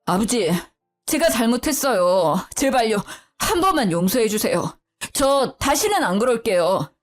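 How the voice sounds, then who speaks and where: A woman's voice: on the high side, big pitch swings, a little slow, soft background music. A woman voicing a weak-willed young husband in a storybook narration, begging and pleading.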